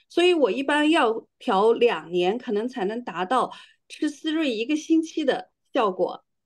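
In an animated tone, a woman talks at a high pitch with very wide pitch swings over a quiet background. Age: 50s. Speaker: anti-aging business operator; guest. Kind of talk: testimony. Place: home room. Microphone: video call.

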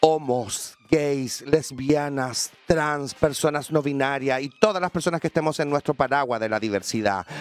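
An animated man at a fairly slow pace, in a dry sound with no echo. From Chile. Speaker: podcast co-host. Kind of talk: casual chat. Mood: playful, joking. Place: studio. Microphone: echo, sounds like in a bunker; studio mic.

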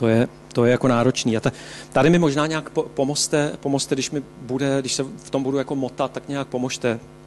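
A man at a medium pitch speaks fairly quickly with fairly even intonation while music plays in the background. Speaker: author and lecturer. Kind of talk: lecture. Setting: small room, livestreamed lecture. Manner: halting.

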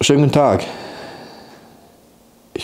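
The man's voice has a dark, mellow tone. The background is quiet. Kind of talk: ghost-hunting vlog, asking questions into the room. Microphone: lapel.

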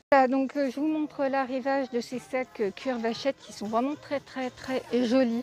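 A woman's high voice with fairly even intonation, dry sound with no echo and light background noise. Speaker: shopping vlogger. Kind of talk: casual product commentary. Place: shop. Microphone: phone near.

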